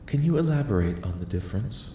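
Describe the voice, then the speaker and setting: A man plays an alien researcher in an ASMR roleplay, soft-spoken and on the low side. The questions come formally and politely, with detached, clinical curiosity. The voice echoes over a faint noisy rumble. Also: big pitch swings, quick pace. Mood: calm, curious. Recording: echoing voice with faint rumbling noise.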